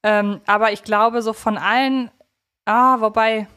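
A woman's voice: a little high, steady tone, unhurried, a bit bright, smooth. A woman co-hosting a podcast, talking through an analysis in a conversational, reflective way, feeling for her words. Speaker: podcast co-host.

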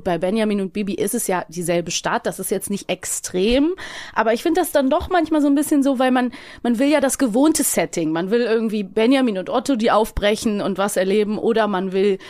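A woman's voice: on the high side, fairly quick, darkish tone, dry recording. A woman talking casually as a podcast guest, thoughtfully qualifying her opinions as she goes.

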